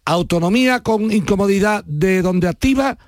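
A man with an Andalusian accent hosting a live radio call-in show, insistent and lecturing, dropping low when he scolds. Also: animated, moderate pace, dry recording, studio quality. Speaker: radio host. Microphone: studio microphone.

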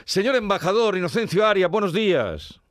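A male radio host leads an interview and addresses his guest in a courteous, formal way. His voice sits a little high. The studio sound is close and dry. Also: sing-song, fairly quick, dry recording.

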